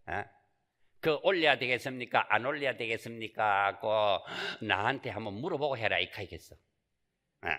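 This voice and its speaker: A male monk gives a Sunday Dharma sermon, his mid-range voice sounding pushed and bright. Folksy asides and rhetorical questions mark his style, and the temple hall around him is reverberant.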